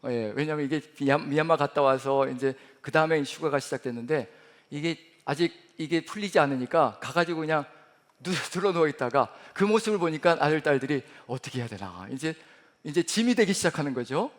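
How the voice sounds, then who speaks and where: Earnest middle-aged Korean pastor preaching. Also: male voice, a little high, lively intonation, a little fast. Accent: Gyeongsang Korean. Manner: earnest, rising to emphatic declarations, voicing God's words tenderly. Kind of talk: sermon. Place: church sanctuary. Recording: reverberant church hall.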